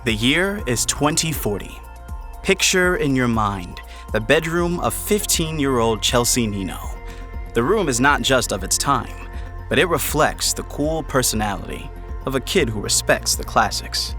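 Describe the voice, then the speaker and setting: A man narrates an audio drama from a script. His voice is mid-pitched, bright and forceful, set over music. The delivery is that of a dramatic storyteller. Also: lively intonation, unhurried.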